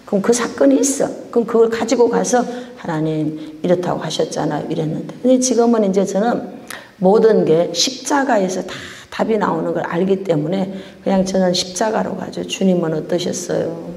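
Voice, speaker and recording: Woman pastor, lively teaching sermon, acts out prayers, gravelly voice, echoey hall. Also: mid-range voice, brisk. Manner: animated, acts out prayers and dialogues, laughs often. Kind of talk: teaching sermon on Bible reading.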